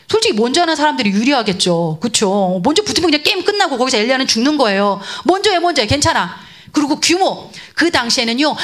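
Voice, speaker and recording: A woman preaching to children in an animated storytelling sermon, asking the audience questions and answering them herself. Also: a little high.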